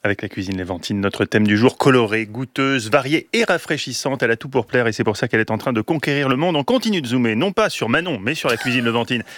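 A man hosting a radio food show, reading smooth links and asking the guest questions. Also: mid-range voice, expressive, fast talker, hardly any pauses, fairly bright tone, dry recording, studio quality. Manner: smooth scripted links, short backchannels. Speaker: radio host.

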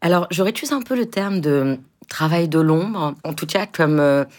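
A woman translator giving thoughtful, earnest interview answers with frequent pauses. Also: fairly low pitch, lively intonation. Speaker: literary translator guest.

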